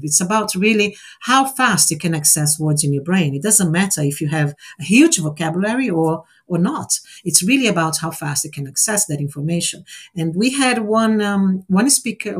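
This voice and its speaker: Husky Portuguese-native woman hosting. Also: on the low side, lively intonation, a little fast. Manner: explanatory, encouraging, frequent "right?" tags. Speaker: host of a speaking exercise session. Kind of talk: casual online group session.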